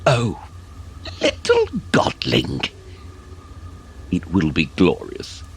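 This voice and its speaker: Slow, gloating dark elf tyrant. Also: male voice, low-pitched, huge pitch swings, husky, heavily acted. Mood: grandiose, gloating. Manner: mocking, grandiose, drawn-out delivery. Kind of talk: audio drama acting.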